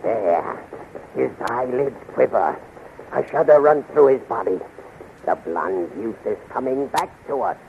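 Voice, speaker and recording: Gravelly, obsequious royal henchman. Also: mid-range voice, animated, measured pace, narrow, tinny audio. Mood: deferential. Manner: formal, declamatory, deferential. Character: obsequious henchman serving a sorceress queen. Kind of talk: 1930s radio serial acting. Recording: thin, noisy 1930s radio recording.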